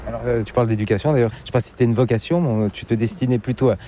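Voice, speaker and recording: A man's voice: mid-range voice, steady tone, racing, warm tone, slight background noise. A man interviewing a guest for radio outdoors, playful and joking. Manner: playful, jokey. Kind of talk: casual chat.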